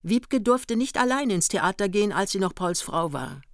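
A woman reading literary narration for a radio play in a measured, matter-of-fact way. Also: medium pitch, expressive, dry recording, studio quality, natural voice. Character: composed female storyteller narrating a young East Berlin couple's honeymoon.

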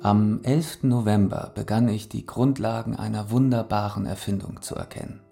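Gravelly low philosopher voice, sober, music under. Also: male voice, fairly even intonation, moderate pace, dark tone. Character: young male philosopher recalling a discovery.

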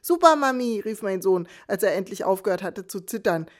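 Woman, 30s, reading own story, first-person narration, wry, dry humour, mid pitch. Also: steady tone, a little fast, dark tone.

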